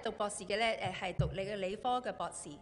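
A woman's voice: medium pitch, fast. A woman with a Cantonese accent who interprets a sermon phrase by phrase, right after the preacher. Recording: long reverb of a church hall.

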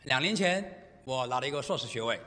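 A middle-aged man preaching in a church hall, his bright, pressing voice trailing off into a long reverb. He speaks fast, in short bursts, then pauses for his interpreter. His pitch sits a little high. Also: expressive. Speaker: guest preacher. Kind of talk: sermon in Mandarin with live interpretation.

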